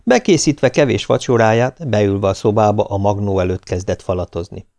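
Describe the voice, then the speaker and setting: A man narrating an audiobook in a calm, even storytelling manner. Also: on the low side. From Hungary. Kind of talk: scripted narration.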